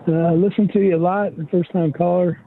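Male first-time caller from Ohio, halting and friendly, somewhat high, on a phone line. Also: steady tone.

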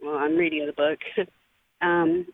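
A woman's voice: sits low, flat delivery, measured pace, no room sound. A woman calling in to a radio show over the phone, asking a question hesitantly with many "um" fillers. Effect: heard over the phone. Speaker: caller. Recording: tinny phone line, dry.

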